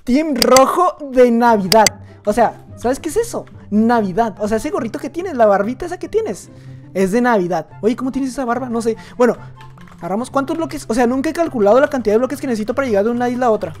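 A man with a Mexican Spanish accent giving excitable, joking gameplay commentary as a YouTuber, rambling asides to his viewers. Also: extremely high pitch, fast, soft background music. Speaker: gaming YouTuber.

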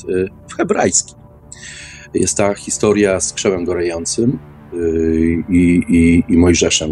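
A man talks in a lowish, soft-edged voice. He argues his views informally but emphatically, doubling back on words for stress. Faint music can be heard with him. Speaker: guest in an online radio debate. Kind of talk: informal, opinionated discussion.

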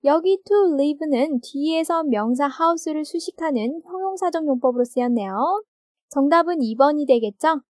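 A woman with a Korean accent teaching English grammar in a recorded video lecture, reading example sentences carefully and ending her explanations with gentle rising questions. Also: high voice, expressive, a little slow, dry recording, clean studio sound.

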